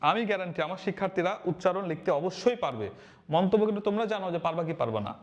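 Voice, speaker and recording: A man teaching a lesson to students, repeating questions to them in an energetic way. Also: high voice, racing, muffled recording. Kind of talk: classroom lesson video.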